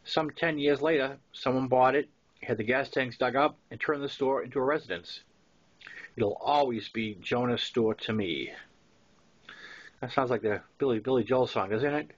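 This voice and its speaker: A man in his sixties with a Boston accent narrates a memoir in a mid-pitched voice. He tells it conversationally, like an author reading his own work with casual asides. The recording is dull and lo-fi. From Massachusetts, US. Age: 60s.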